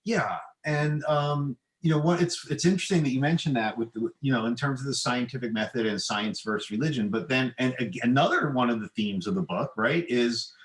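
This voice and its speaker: A middle-aged man, an author guesting on a podcast, explaining his ideas in a halting, thoughtful, conversational way. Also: mid-range voice. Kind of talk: conversational interview answers.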